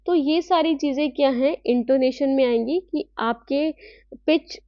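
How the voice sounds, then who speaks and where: Woman, teacher, online class lecture, high-pitched, dull recording, rhetorical questions. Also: dark tone, no room sound. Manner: explains slowly, reads English lines then explains in Hindi; asks rhetorical questions, tag "है ना".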